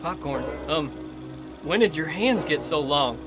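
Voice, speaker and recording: A man's voice: a little high, expressive, measured pace, music in the background. A man acting an earnest, plain-spoken country monster hunter in an audio drama, with a Southern American accent. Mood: uneasy, suspicious. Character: earnest rural monster hunter avenging his uncle.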